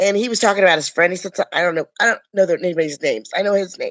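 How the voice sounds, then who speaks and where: A woman at a medium pitch, very fast pace and lively intonation, the sound dry and close with no echo. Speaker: video blogger. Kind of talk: casual vlog monologue.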